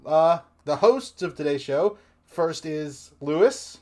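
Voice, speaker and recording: A man with a slightly raised pitch hosts a live online panel. He talks loosely and casually, trailing off and restarting as he goes. The sound has the plain feel of a video call setup. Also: lively intonation, slow, darkish tone, soft background music. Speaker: livestream host.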